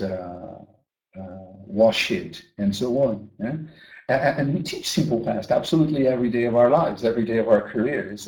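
A man from Brazil training teachers in a lively conference talk, often asking the audience questions and repeating words as he restarts. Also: fairly low pitch. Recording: echoey room.

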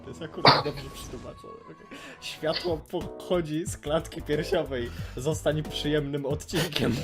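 A man's voice: fairly high pitch, unhurried, music in the background. A man narrating an amateur comic parody dub in an informal, jokey way, slipping into casual banter.

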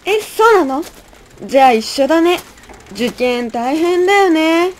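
A young woman playing an earnest, stressed high-school senior girl in an amateur radio drama. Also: animated, measured pace, slight background noise. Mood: friendly, hesitant. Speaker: student radio drama actor.

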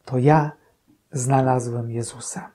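A man in his thirties gives a calm, earnest reflection as a priest, speaking very slowly. His voice is mellow and slightly husky. He is recorded on camera in a small chapel room. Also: mid-range voice. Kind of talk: short gospel commentary. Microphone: fixed camera, medium shot.

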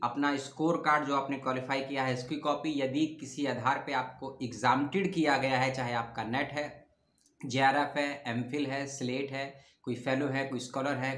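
A man of middle pitch talks in a loose, chatty way, working through long lists and stopping to fix his own mistakes out loud. He calls his listeners brother. The room around him rings with a noticeable echo. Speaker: education channel host. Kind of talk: casual informational talk reading out lists. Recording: roomy echo.

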